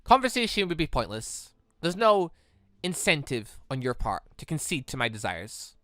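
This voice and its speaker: A man's voice: a little high, big pitch swings, normal speed, bright, forceful tone, no room sound, studio quality. A man voicing a cold, logical machine in a visual novel, with stiff, formal, clipped phrasing. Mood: cold, detached. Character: cold, logical sentient machine controlling a robot body. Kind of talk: visual novel character read-aloud.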